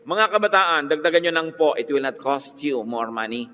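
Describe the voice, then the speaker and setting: In a big-sounding church, a man with a Filipino accent delivers a sermon as pastor at a normal pace, his voice fairly high. His style is teasing, peppered with English phrases and animated impressions.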